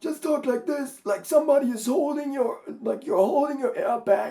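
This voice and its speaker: A strained put-on character voice from a man at an extremely high pitch and a moderate pace. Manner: demonstrating a vocal technique.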